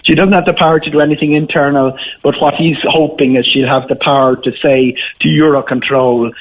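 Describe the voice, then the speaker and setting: An Irish man speaks as a guest analyst on a radio show, heard through a narrow phone-like connection. His voice is husky, and he explains things off the cuff, pausing and repeating words as he builds each point. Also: a little high, fairly even intonation. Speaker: travel commentator, radio guest. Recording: muffled phone-like line on radio.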